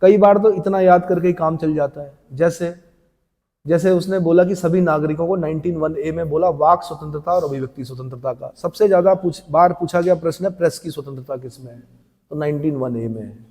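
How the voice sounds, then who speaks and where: A North Indian Hindi-accented man lecturing a coaching class in a fairly high voice. He drills each point again and again, slows right down to dictate English phrases, and his voice rings with long reverb around the room. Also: warm tone. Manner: repetitive, drills points, asks rhetorical checks. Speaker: coaching teacher.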